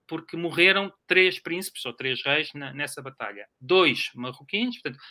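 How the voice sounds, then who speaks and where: On a very clean recording with a silent background, a man speaks with a bright, sharp tone and ordinary pitch variation. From Portugal. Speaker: historian and author. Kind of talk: interview. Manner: halting, many repetitions.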